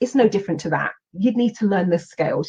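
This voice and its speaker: In a British accent, a woman speaks with ordinary pitch variation. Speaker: learning coach. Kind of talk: webinar presentation. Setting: webinar. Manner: fast.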